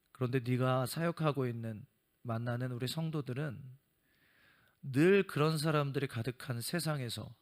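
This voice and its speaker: A man voicing God as a stern but tender father who questions him quietly. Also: mid-range voice, natural voice. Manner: slow, questioning, quietly reproachful.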